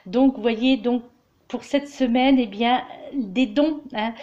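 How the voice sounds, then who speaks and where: Tarot reader, female, rambling with fillers and restarts, mellow voice, dull recording. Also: on the high side, slow. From France. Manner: hesitant, many fillers and repeated restarts; addresses listeners warmly as dear friends. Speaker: tarot reader giving weekly guidance. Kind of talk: casual spiritual monologue to viewers.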